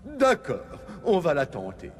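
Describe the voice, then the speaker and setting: Theatrical cartoon animal, wildly swooping voice. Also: male voice, on the high side, huge pitch swings, measured pace. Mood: intrigued. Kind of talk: cartoon voice acting. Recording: cartoon soundtrack with music behind.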